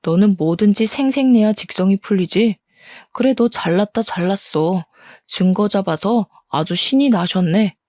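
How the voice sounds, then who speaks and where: A woman's voice: mid-range voice, normal speed, mellow, no echo, studio quality, close to an everyday voice. A woman voicing a defiant, scornful middle-aged husband caught cheating, reading a story aloud. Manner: blustering, scornful, defensive.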